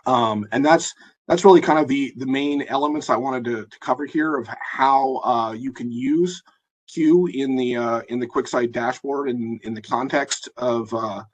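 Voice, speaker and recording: A man presents a live software demo in a webinar, his medium-pitched voice hoarse and husky like he's losing his voice. He talks in a halting way, full of fillers and restarts, and the audio quality is poor.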